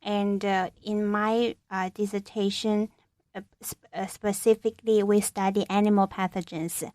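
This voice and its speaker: A woman researcher answering interview questions hesitantly, with many pauses and halting restarts. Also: mid-range voice, level tone, a little mellow, no echo. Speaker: researcher guest. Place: radio studio.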